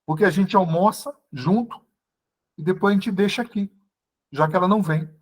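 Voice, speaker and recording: A man's voice: high voice, normal speed, pitched above the performer's own voice. A man voicing a mysterious woman who keeps coaxing him to get into her car. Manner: insistent, coaxing.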